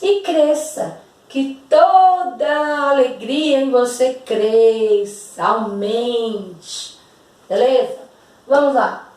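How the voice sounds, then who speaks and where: A Brazilian woman teaching a lesson, explaining slowly and patiently and drawing out words to demonstrate their sounds. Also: a little high, darkish tone. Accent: Brazilian Portuguese. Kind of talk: slow, over-articulated classroom explanation. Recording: very echoey room, voice from a distance.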